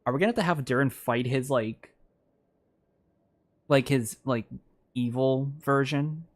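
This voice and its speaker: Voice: medium pitch, a little slow. A game streamer of unclear sex giving casual, informal playthrough commentary and reacting aloud. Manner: informal, reacts aloud, reads on-screen text.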